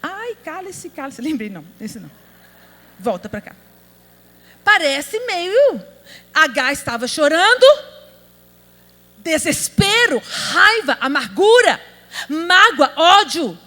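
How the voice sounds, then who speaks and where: A woman's voice: sits high, very animated, slow, long pauses, sharp tone. A woman pastor from Brazil preaching a sermon, emphatic and asking the audience rhetorical questions. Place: large convention hall. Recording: hall reverb with mains hum.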